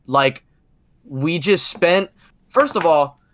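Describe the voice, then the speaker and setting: A man's voice: fairly high pitch, expressive, slow, fairly bright tone, dry recording. A man co-hosting a casual chat, talking in a slangy, emphatic, exasperated way. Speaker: podcast co-host.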